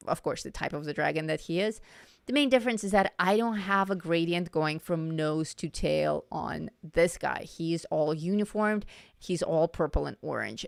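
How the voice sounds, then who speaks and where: A woman teaching a live-stream coloring lesson, chatty and casual, repeating herself as she corrects her words, her voice starting to go hoarse. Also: lowish voice, no room sound, studio quality. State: voice going hoarse.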